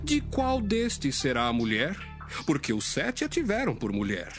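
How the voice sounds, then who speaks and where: A man's voice: fairly high pitch, huge pitch swings, measured pace, music in the background. A Brazilian man playing a Sadducee posing a tricky riddle in a theatrical, sing-song way in a dramatized audio Bible. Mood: quizzing, insinuating.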